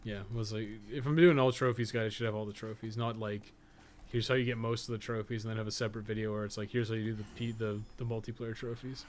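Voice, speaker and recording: A man's voice: fairly low pitch, little pitch movement, quick pace. A man giving casual live gameplay commentary, rambling and thinking aloud in loose, sometimes profane language. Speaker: podcast co-host and gaming streamer.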